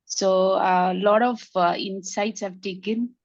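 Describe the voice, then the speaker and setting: A hoarse woman joining an online meeting to share grateful, reflective thoughts, with many fillers. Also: mid-range voice, fairly even intonation, a little slow, no room sound. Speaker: meeting participant. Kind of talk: casual online meeting chat. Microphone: video call. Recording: slightly dull call audio.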